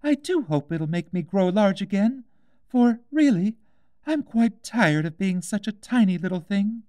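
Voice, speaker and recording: A man's voice: high-pitched, animated, unhurried, warm tone, dry recording, clean studio sound, voice pushed up. A man voicing an earnest, wistful, polite young girl in a storybook tale. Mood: worried.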